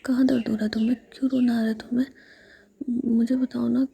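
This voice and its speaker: A woman whispering the lines of a protective, fussing young woman who is quick to scold. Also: on the high side, flat delivery, gravelly, mellow, breathy edge, heavily acted. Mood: worried.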